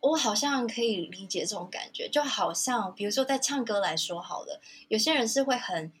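A woman hosting a Mandarin interview podcast, thinking aloud and giving frequent soft hums of agreement. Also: a little high, lively intonation, a little fast, slight background noise. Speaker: podcast host. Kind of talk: interview conversation.

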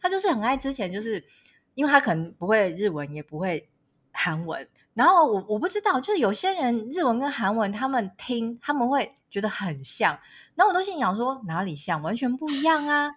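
A woman from Taiwan living abroad, co-hosting a podcast and telling stories in lively casual chat, laughing often. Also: fairly high pitch, a little fast. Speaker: podcast co-host. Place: lives in Australia.

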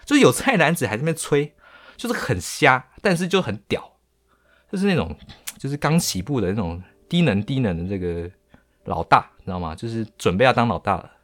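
Animated Taiwanese man telling a story. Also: fairly high pitch, a little fast. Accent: Taiwanese Mandarin. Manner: animated, crude slang, mocking. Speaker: podcast host. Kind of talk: storytelling monologue.

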